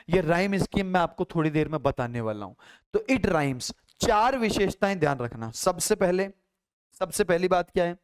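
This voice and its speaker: A man's voice: sits high, clear, resonant tone. A man teaching English poetry for an exam, explaining step by step and often checking that students follow, with Hindi-accented English. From Rajasthan, India. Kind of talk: classroom lecture.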